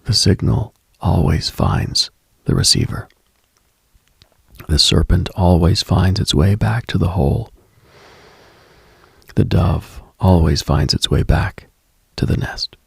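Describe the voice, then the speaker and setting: Deep, gravelly, husky late-night radio man. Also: big pitch swings, no room sound, clean studio sound. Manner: hushed, unhurried, contemplative, addresses listener directly. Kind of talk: intimate late-night mystical monologue, ASMR-like.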